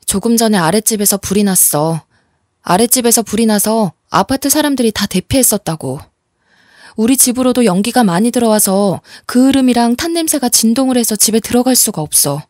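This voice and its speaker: A woman's voice: fairly high pitch, lively intonation, fairly quick, a little mellow, no room sound, clean studio sound. A woman voicing a young husband and father who presses his wife with questions in a storybook reading. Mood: pressing. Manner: presses questions, shaken then tender.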